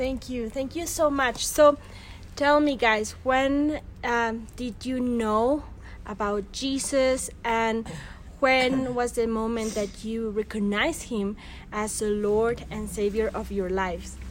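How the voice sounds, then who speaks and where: Very slowly, a woman speaks at a fairly high pitch with ordinary pitch variation. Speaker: interviewer/podcast host. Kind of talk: casual interview. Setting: in Ecuador, in person.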